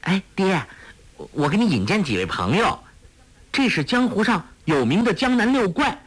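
Male narrator doing a cheeky teen girl, bubbly and coaxing, husky, lively swoops. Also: normal speed, exaggerated voice. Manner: bubbly, coaxing, high and bright. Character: playful clever teenage girl, cheeky and affectionate.

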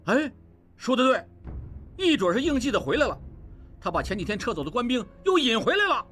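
A loud, blustering young clansman, as a woman reader acts him, rattling off his words. The voice is raised and lively, swinging high and low. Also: fairly quick. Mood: agitated.

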